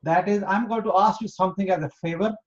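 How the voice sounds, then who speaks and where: A man from Pakistan hosting an interview, speaking earnestly and emphatically and spelling out his points slowly. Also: high voice. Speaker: interview host. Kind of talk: motivational interview. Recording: dull lo-fi audio.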